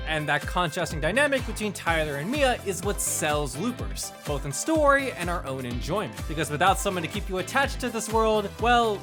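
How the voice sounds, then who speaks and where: A man narrating a scripted review with an emphatic, wry delivery. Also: high voice. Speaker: video game reviewer. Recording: music behind the voice. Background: background music.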